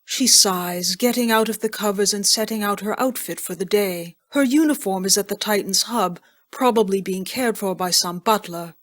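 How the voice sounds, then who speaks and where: A woman's voice: medium pitch, moderate pace, hardly any pauses. A woman narrator reading scripted scene headings and action for an audio drama.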